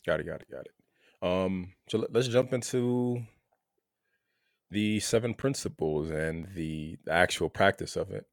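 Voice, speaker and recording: A Haitian American man talking through his thoughts in a relaxed conversation, often repeating words as he searches for them. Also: low-pitched, a little slow, vocal fry, no echo, studio quality. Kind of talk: casual conversation.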